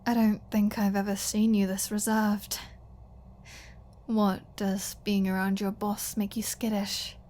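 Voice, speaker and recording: A woman's voice: mid-range voice, little pitch movement, unhurried, warm tone, close to an everyday voice. A woman playing a flirty, defiant captive vampire in an ASMR audio roleplay, teasing and mocking with a sarcastic drawl.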